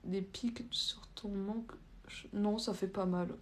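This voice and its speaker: Young woman doing a live, chatting casually, reads comments out and answers kinda blunt, medium pitch. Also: fairly even intonation, slow, a little hiss or hum. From France. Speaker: livestream host.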